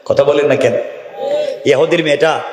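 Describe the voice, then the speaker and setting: A man's voice: fairly high pitch, fairly even intonation, moderate pace. A man preaching a sermon to a large gathering, theatrical and teasing, acting out voices and prompting the crowd to answer. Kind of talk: sermon at an outdoor religious gathering. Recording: echoey, reverberant PA sound from far.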